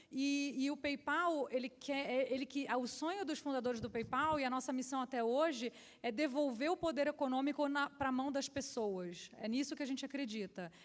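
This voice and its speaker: A woman talks at a moderate pace with hardly any pauses. Her pitch is high, with ordinary variation. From Rio de Janeiro, Brazil. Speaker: business executive. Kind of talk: panel discussion. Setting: stage with audience.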